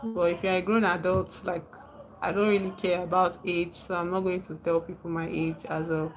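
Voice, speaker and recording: A woman's voice: on the low side, level tone, moderate pace, low-quality recording. A woman from Nigeria with a Nigerian accent, chatting casually on a livestream, reading out and answering viewers' comments and laughing often.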